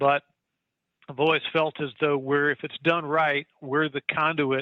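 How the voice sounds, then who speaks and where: In a Southern US accent, a man with a fairly high pitch speaks at a moderate pace with monotone, flat intonation. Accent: Southern American. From North Carolina, US South. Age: 50s. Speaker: football radio play-by-play announcer. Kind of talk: interview.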